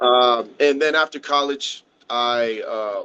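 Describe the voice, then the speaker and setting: Fairly even in intonation, this man speaks at a medium pitch. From New England, New London, Connecticut. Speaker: entrepreneur, former basketball player. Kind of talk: podcast interview. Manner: casual, halting with fillers.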